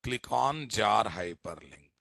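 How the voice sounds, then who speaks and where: A software instructor with a Telugu Indian accent runs a live programming class, emphatic and repetitive, often slipping in short tag questions to quiz listeners. He speaks slowly in a low, creaky, slightly bright voice with lively intonation, in clean studio sound with no room noise.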